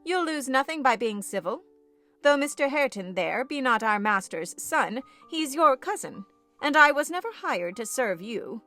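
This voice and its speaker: A woman's voice: sits high, very animated, normal speed, bright, forceful tone, soft background music, pitched above the performer's own voice, exaggerated voice. A woman voicing a blunt, self-respecting female servant in an audiobook, composed and reproving. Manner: reproving, plain-spoken, composed. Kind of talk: audiobook character voice.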